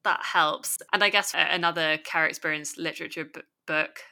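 A woman's voice: deep voice, steady tone, moderate pace, vocal fry, bright, forceful tone. A woman with a London accent talking thoughtfully about a book on a podcast, with light laughs. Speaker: podcast co-host. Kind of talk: casual book discussion.

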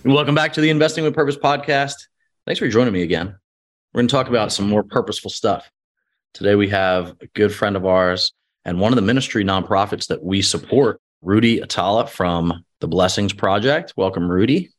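A man's voice: fairly low pitch, fairly quick. A man hosting a podcast, introducing his guest in an upbeat, enthusiastic way. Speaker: podcast host.

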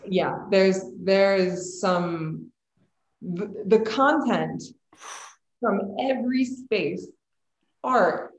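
A woman's voice: medium pitch, extremely slow, pauses often, dull audio, a little hiss or hum. A woman hosting a podcast in casual, enthusiastic and emphatic chat, peppering her sentences with filler words. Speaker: podcast host. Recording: echoey room.

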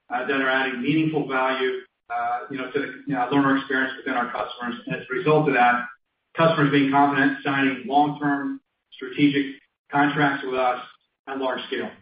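A man speaking as a company executive on an earnings call, wordy and assured in corporate phrasing. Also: mid-range voice. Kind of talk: earnings call answers, corporate business talk. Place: conference call from a room. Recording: roomy, distant mic, dull sound.

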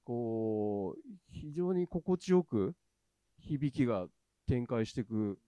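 A man's voice: mid-range voice, expressive, takes it slowly, dark tone, clear, resonant tone, dry recording. A man hosting a podcast, speaking thoughtfully and hesitantly with many fillers. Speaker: podcast host. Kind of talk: casual chat.

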